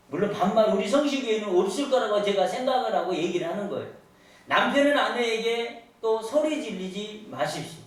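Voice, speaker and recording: High-voiced male pastor in an echoey church. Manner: storytelling with rhetorical questions to the congregation. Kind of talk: sermon. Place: large church sanctuary. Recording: echoey church hall, voice from far off.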